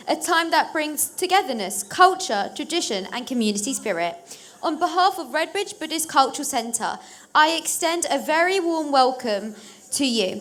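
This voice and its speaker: A woman with a high voice reads a formal welcome at a community event. She introduces the guest in polished, ceremonial phrases, keeping a steady and measured delivery. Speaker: event host introducing the speaker.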